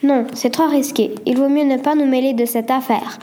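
A cautious eleven-year-old boy with a short temper and a worried streak, voiced by a woman reading a storybook. His voice is high, with a mellow, dark tone. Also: fairly even intonation, close to an everyday voice. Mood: stubborn. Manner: worried, quick to anger.

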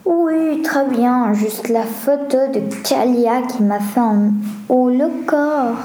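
A woman voicing Leslie, a guarded, quick-thinking teenage girl in a read-aloud story, in a slightly lifted voice. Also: on the high side, dark tone, a little hiss or hum. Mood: casual. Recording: roomy echo.

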